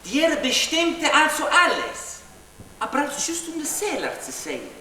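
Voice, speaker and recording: A woman's voice: sits high, wildly swooping pitch, measured pace, pushed and bright, slight background noise, full character voice. A woman with a Luxembourgish accent, acting a hesitant, curious questioner in a live cabaret sketch. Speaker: cabaret actor. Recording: distant echoey stage recording.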